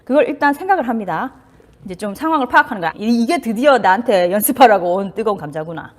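Animated woman lecturing on child psychology. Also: fairly high pitch, quick pace. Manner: animated, acts out parent and child voices, drops to whispers. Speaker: child psychiatrist giving a talk. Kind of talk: casual lecture to camera.

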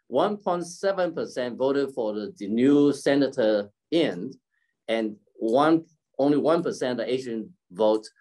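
Halting older man giving an informal speech. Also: mid-range voice, darkish tone. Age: older, about 70s. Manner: halting, with frequent throat-clearing. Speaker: keynote speaker and community leader. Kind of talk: informal extemporaneous speech on an online forum. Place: indoor room at home, by a curtained window. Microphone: video call, device mic at desk distance.

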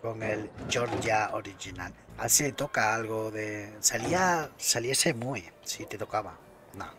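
A man's voice: lowish voice, unhurried. A man casually commentating a game, chatting to himself and swearing now and then. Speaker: gameplay commentator.

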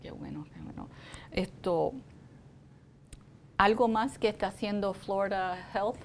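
A woman in her sixties hosting a TV interview in a studio, chatty and animated, with many fillers, on a lapel mic. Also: medium pitch, measured pace, slight background noise. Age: 60s. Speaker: TV show host. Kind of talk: casual Spanish interview. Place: TV studio set.

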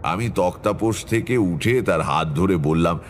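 An actor playing a middle-aged tantric astrologer, narrating his past in a measured, reflective way for a horror audio story. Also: sits low, expressive, slight background noise. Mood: measured, reminiscing. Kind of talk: dramatic first-person horror story narration. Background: background music.

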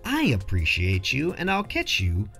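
A man's voice: mid-range voice, huge pitch swings, measured pace, creaky, music in the background. A man narrating a casual scripted film review in a jokey, slangy way.

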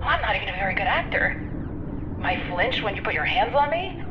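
An actress playing a bitter, defiant admiral's wife in an audio drama, scornful and emotional, as if over a radio link. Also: female voice, mid-range voice, big pitch swings, brisk. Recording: dull, noisy, echoing radio transmission.

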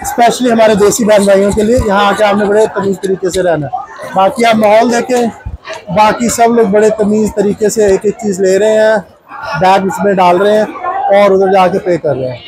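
A man's voice: sits high, fairly even intonation, normal speed, a little mellow, slight background noise, low-quality recording. A man with a South Asian accent hosting a casual walk-through vlog, chatty and playful, mixing in English words. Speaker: vlog host. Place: inside a large shopping mall.

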